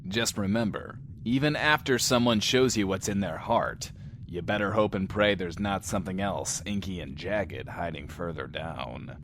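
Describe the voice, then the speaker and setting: An actor playing a swaggering but insecure host of a post-apocalyptic bunker radio show, talking in a pompous, wordy, theatrical way. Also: male voice, sits low, moderate pace, fairly bright tone, a little hiss or hum. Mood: dramatic, showy. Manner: pompous, wordy, theatrical, talks of himself in third person. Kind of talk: in-world radio show monologue, audio drama.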